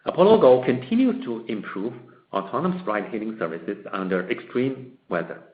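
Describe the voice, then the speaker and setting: Man reading formally on an echoey call. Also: on the low side. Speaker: company executive presenting on an earnings call. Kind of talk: scripted corporate presentation, read aloud. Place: conference call in a roomy space. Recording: dull, echoey conference-call audio.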